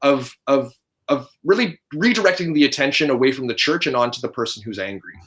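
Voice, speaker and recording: Guest, man from Canada, mid-pitched voice, earnest, gropes for words. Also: animated, a little fast, a bit bright. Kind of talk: casual video chat.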